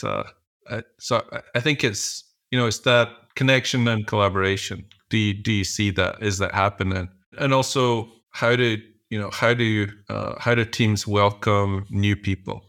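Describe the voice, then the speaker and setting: A man's voice: fairly low pitch, a bit bright. A middle-aged man answering interview questions as a guest, thinking aloud with frequent restarts and fillers. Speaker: podcast guest, executive coach.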